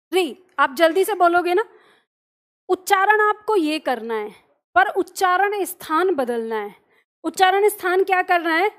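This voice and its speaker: A woman teacher patiently explaining a lesson to her students, often checking that they follow along. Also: extremely high pitch. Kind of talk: classroom lesson.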